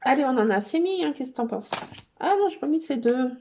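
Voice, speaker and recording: Gravelly-voiced chatty woman crafting. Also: high-pitched, lively intonation, fast, warm tone, a little hiss or hum. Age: middle-aged. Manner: chatty, teasing, coos at her cats. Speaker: crafting vlogger. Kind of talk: casual chat while scrapbooking.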